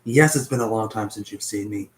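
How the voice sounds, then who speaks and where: A man's voice: on the low side, brisk. Chatty man hosting with a cough. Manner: chatty, swears casually, stumbles over names. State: has a cough, voice partly lost. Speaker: host. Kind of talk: casual web show narration.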